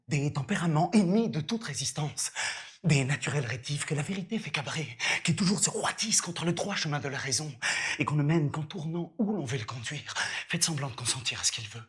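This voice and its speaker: An actor playing a young steward who schemes by flattery, in persuasive, declamatory stage delivery. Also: male voice, fairly high pitch, normal speed, lightly acted. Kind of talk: classical stage comedy acting.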